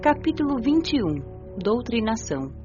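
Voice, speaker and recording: Music sits under slightly dull audio as a Brazilian woman narrates an audiobook. Her voice is fairly high, with animated melody in the scripted reading. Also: moderate pace.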